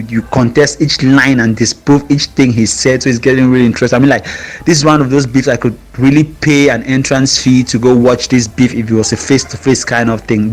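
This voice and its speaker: A man giving casual, excited commentary on a rap diss track, explaining line by line with lots of fillers and restarts. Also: medium pitch. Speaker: music reviewer.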